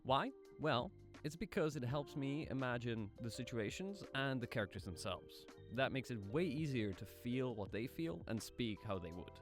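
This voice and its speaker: A man's voice: mid-range voice, lively intonation, moderate pace, over music. A man narrating a casual explainer video as an aspiring voice actor, informal and self-deprecating, posing rhetorical questions.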